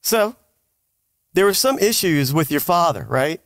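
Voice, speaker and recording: Middle aged american guy cohosting a podcast, kinda high voice, casual questions, no room echo. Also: animated, measured pace, studio quality. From United States, raised up north then moved to the South. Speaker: podcast co-host, interviewer. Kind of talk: casual conversational interviewing.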